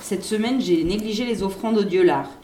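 A woman's voice: mid-range voice, normal speed, mellow, slight background noise, close to an everyday voice. A superstitious old nurse, fussy and scolding, her words pushed out with force, as a woman reading a storybook puts her on. She fusses over gods and omens. The reading carries a roomy echo. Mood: grumbling. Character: fearful, superstitious older female nurse.

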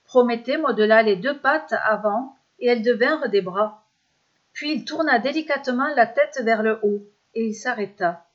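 A woman narrates a serialized children's myth with expressive, measured storytelling. Her voice sits fairly high. The recording sounds dull and lo-fi.

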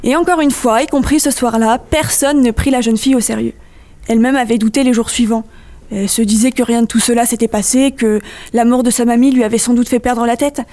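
A woman reading aloud her own eerie first-person story, with measured storytelling. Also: fairly high pitch, fairly even intonation, mellow.

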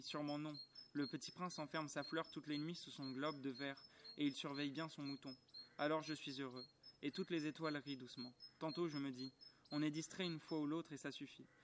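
A man reading a storybook aloud in a calm, measured, quietly moved way, recorded outdoors at the bottom of a garden. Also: on the high side, slight background noise. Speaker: reader.

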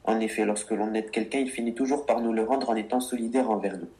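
A man's voice: lowish voice, steady tone, fast, mellow. Guy explaining a word on a radio show, earnest, a bit fed up with his partner. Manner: earnest reading with mock-exasperated comebacks.

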